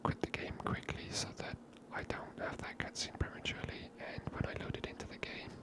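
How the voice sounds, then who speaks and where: Whispering woman doing ASMR game commentary. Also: brisk. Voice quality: breathy unvoiced whisper. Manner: casual, unscripted, chatty. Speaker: ASMR gaming host.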